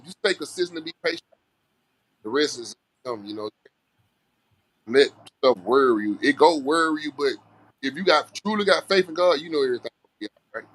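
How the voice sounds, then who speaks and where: A man's voice: a little high, fairly bright tone, poor audio. A man from Alabama with a Southern Black American accent, chatting casually and earnestly in a folksy way as an interview guest. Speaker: music artist guest.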